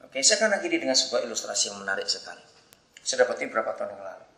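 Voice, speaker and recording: A man's voice: lowish voice, rapid-fire, reverberant. A man preaching a sermon, telling stories animatedly and pressing the congregation to answer. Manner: animated storytelling, asks the congregation for responses.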